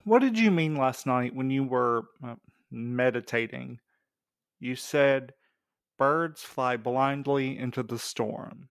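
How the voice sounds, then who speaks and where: A man's voice: mid-range voice, slow pace, smooth, no echo, studio quality. A man playing a frank, casual, slightly defensive courier in an audio drama, in a conversational way. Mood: pointed. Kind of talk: scripted audio drama acting.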